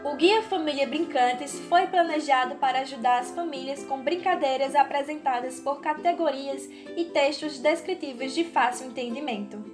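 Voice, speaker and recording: A woman's voice: sits high, moderate pace, hardly any pauses. A Brazilian woman reading a scripted podcast as co-presenter. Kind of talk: scripted narration. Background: background music.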